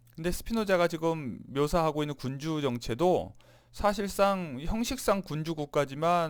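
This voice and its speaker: A man's fairly high-pitched voice with lively intonation, at a moderate pace, on a very clean recording with a silent background. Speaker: lecturer. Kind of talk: lecture. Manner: filler-heavy.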